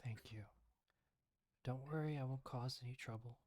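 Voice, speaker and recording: A courteous stranger in a tabletop fantasy game, acted out by a man, with a medium-pitched voice. He is measured and polite, yet impatient and faintly sinister. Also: a little mellow, lightly acted. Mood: calm, insistent.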